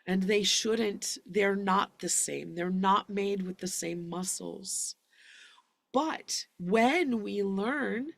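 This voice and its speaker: Slow, gentle woman voice teacher. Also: medium pitch, gravelly. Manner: gentle, encouraging, guides breathing. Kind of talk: live online singing lesson.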